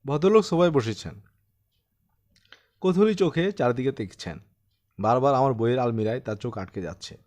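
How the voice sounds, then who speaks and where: A male storyteller reads literary fiction for an audiobook. His delivery is expressive, with a lively, wide-moving pitch that follows the narrative. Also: brisk, long pauses.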